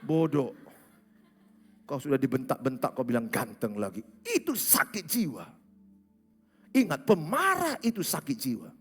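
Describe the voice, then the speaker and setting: Animated preacher man in echoing church hall. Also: moderate pace, long pauses, slightly rough. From Indonesia. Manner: swings from loud high exclamations to soft low asides; preaches with repeated short punchy phrases. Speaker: pastor. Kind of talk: sermon. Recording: reverberant church hall with faint music.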